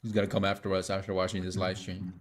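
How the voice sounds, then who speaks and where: A man's voice: sits low, level tone, fast, over a noisy crowd. A young man hosting a casual interview, laid-back and joking with slangy asides. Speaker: podcast host.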